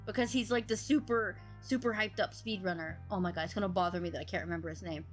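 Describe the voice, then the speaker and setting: A woman's voice: lowish voice, fairly even intonation, fast, faint music behind. A woman hosting a podcast in a casual, chatty and effusive way. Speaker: podcast host. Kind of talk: casual chat.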